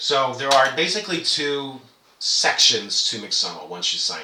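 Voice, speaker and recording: Audible room echo and noticeable background noise are both present in the clip. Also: man. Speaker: teacher. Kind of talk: tutorial.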